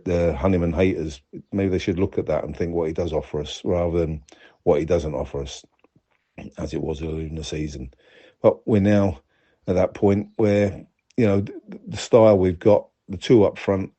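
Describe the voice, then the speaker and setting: A man giving a casual, unscripted football review as a fan, talking in a measured, reflective way. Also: low voice, mellow. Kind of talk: casual unscripted match commentary.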